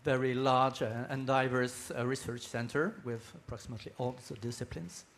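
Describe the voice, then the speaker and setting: A man gives a short introduction on a conference panel. His pitch is average. He speaks hesitantly, halting as he finds his phrases. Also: fairly even intonation, creaky, a little hiss or hum. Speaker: research gender equality officer, panel guest.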